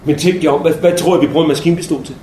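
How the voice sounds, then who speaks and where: Guy playing a cursing young soldier, restless, a bit high voice, roomy echo. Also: dark tone, lightly acted. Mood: agitated. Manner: coarse, swearing, restless. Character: young male soldier, brash and shaken. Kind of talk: theatrical monologue. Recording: roomy, faint background noise.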